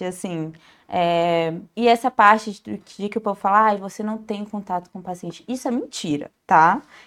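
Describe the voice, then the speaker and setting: Here is a woman with a normal speaking voice at a medium pitch, talking at a fairly slow pace. The recording is very clean, with a silent background. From Salvador, Bahia, Brazil. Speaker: medical resident in anesthesiology. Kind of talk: casual interview.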